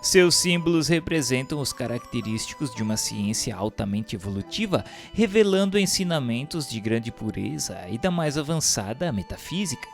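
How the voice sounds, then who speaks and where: A Brazilian man giving a solemn, scripted spiritual narration in a formal, measured, declamatory way. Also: medium pitch, animated. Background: instrumental music.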